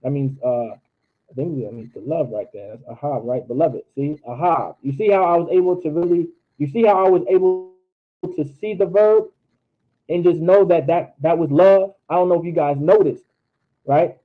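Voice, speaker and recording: A man's voice: on the high side, moderate pace. A man teaching a grammar lesson to his class, patiently drilling word forms one by one and reminding students to take notes. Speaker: language teacher. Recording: tinny phone-like audio.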